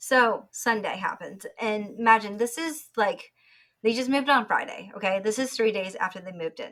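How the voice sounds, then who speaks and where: Using a put-on character voice, a woman sounds raspy at a fairly high pitch, with big swings in loudness and a moderate pace. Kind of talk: casual spooky storytelling. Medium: solo performance. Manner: chatty, animated, lots of asides.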